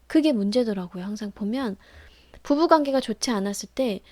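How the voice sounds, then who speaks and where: A woman giving earnest advice on family relationships, often dropping to a soft whisper. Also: on the high side, expressive, brisk, no room sound. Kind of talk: casual advice talk to camera.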